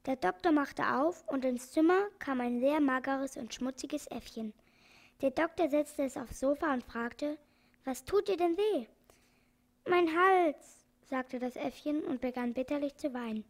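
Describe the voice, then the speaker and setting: A woman reads a children's story aloud, chapter by chapter. Her voice sits high, and she narrates in a calm, clear, even manner. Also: normal speed. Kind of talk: reading a children's book aloud.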